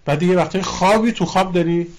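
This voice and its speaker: A middle-aged man giving a religious lecture, his voice a touch higher than most men's. He teaches in a loose, conversational way, repeating key words and dropping in short Arabic phrases before explaining them. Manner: colloquial, repetitive teaching with quoted Arabic phrases. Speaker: cleric lecturing on a religious book.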